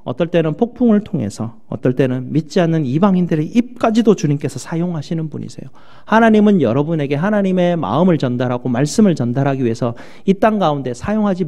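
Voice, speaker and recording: A male pastor preaching in a church, lively and animated. His voice sits fairly high with a soft, mellow tone. He swings between loud outbursts and quiet, low asides. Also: fairly quick, hardly any pauses. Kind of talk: sermon.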